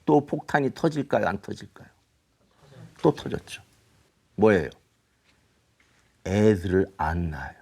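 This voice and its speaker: Lively middle-aged man giving a motivational talk. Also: fairly low pitch, measured pace, creaky, pauses often, husky. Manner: lively storytelling with rhetorical questions. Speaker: children's author giving a talk. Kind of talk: motivational lecture to students.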